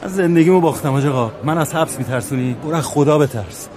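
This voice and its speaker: An actor playing a desperate, hot-tempered working-class husband in a film drama, shouting and pleading. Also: male voice, a little high, natural voice.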